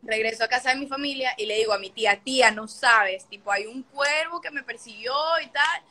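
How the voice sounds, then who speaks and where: A woman's voice: fairly high pitch, a little fast, sharp tone. A young woman, hosting a livestream and telling a story casually and animatedly, swearing often and acting out the scenes. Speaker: livestream host.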